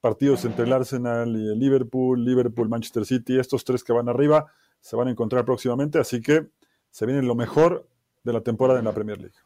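A male radio co-host with a mellow, rather dark voice at an average pitch. He talks sports and reads messages aloud in a casual studio style. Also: steady tone, a little fast.

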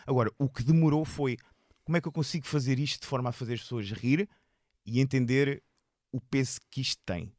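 A man's voice: medium pitch, a little fast, darkish tone, no echo, clean studio sound. A man with a European Portuguese accent who stutters. He repeats and blocks on words while animatedly telling stories about his stand-up shows in an interview. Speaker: stand-up comedian guest. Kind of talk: casual storytelling in an interview.

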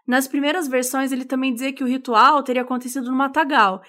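Female podcast co-host, high pitch, casual true-crime storytelling. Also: fairly even intonation, fast talker, pushed and bright. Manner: conversational, frequent "né" fillers.

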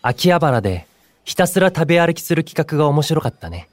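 Kind, lively-toned young idol. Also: male voice, a little high, a little fast, no room sound. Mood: helpful. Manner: soft-worded, friendly, encouraging senior. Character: kind, composed young male idol and senior streamer. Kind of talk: Japanese audio drama acting.

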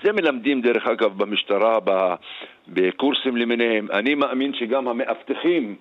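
A man, a retired senior police officer, explaining firmly and in measured steps as a radio guest. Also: medium pitch, phone-quality sound. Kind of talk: radio interview by phone.

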